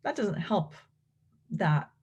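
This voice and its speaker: Low, husky woman lecturing. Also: sing-song, takes it slowly, darkish tone. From Venezuela. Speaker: clinical professor and behavior analyst presenting research. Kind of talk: explanatory academic lecture.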